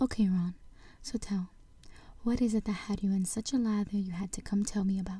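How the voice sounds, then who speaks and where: The speaker is soft-spoken and talks at a fairly quick pace, with long, frequent pauses. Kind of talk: fanfiction read aloud.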